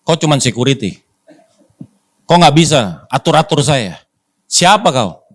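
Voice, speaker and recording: A brash, stubborn passenger who scoffs at whoever tells him to move, put on by a male preacher. The voice drops lower than the preacher's own and pushes louder. Its tone is defiant and dismissive. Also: very animated, unhurried.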